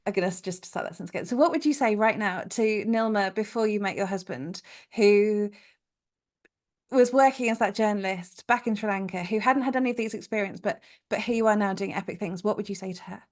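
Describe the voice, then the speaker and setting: Woman host, podcast interview, enthusiastic, chatty, mid pitch. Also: brisk.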